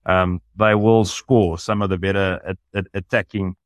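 A man with a fairly low voice talks through a player's strengths and weaknesses with a commentator's enthusiasm. He sounds close and dry, with no room around him. It is a relaxed podcast discussion. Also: moderate pace, no echo. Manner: enthusiastic, analytical. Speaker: rugby commentator.

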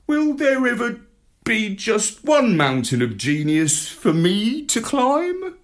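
A man voicing an eager, excitable male puppy who pleads and begs in a storybook reading. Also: high voice, takes it slowly, voice pushed up, full character voice.

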